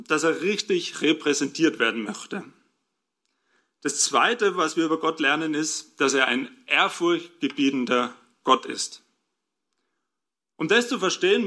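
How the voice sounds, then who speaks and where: A man's voice: a little high, pushed and bright. A man preaching a sermon, explaining scripture and asking his listeners rhetorical questions.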